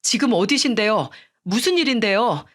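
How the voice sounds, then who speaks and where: A woman doing a furious shouting grown son. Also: on the high side, lively intonation, normal speed. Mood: alarmed. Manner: shouting, agitated and scolding. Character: furious grown son confronting his wife.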